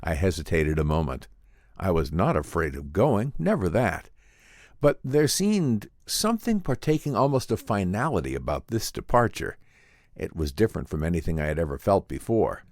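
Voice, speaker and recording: A man reading a vintage science fiction story as a dramatic narrator, theatrical and measured. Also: low voice, big pitch swings, darkish tone, no room sound, clean studio sound. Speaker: audiobook narrator.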